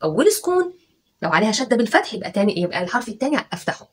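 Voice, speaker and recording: A woman's voice: mid-range voice, very animated, breathy edge. A woman teacher with an Egyptian Arabic accent, sounding out letters one by one for children in a patient, coaxing tone. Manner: stretches syllables out slowly, sounding letters one by one. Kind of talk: children's spelling and dictation lesson.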